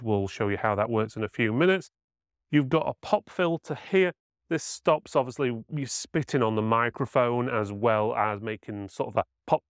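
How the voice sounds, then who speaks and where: A man's voice: mid-range voice, no echo, studio quality. A man giving a casual, matter-of-fact hands-on product demonstration as a reviewer.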